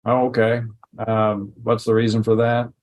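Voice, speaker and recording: A male judge with a mid-pitched voice presides over a hearing in a courtroom recording. He moves through procedure with short prompts and plain questions. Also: monotone, normal speed, muffled recording.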